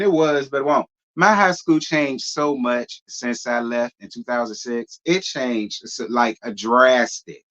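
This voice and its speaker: A man's voice: mid-range voice, fairly bright tone, lo-fi sound. A man in his thirties hosting a casual live stream, reading viewer comments and answering with a sassy, drawling manner and frequent laughter. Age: 30s. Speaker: host reading live chat.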